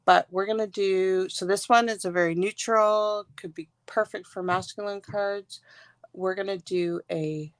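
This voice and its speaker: A woman's voice: mid-range voice, steady tone, measured pace, dry recording. A woman from Ontario, stuffed up with congestion, chatting her way through a live card-making demo from her craft room. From Guelph, Ontario, Canada. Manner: chatty, rambling. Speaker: stamping demonstrator.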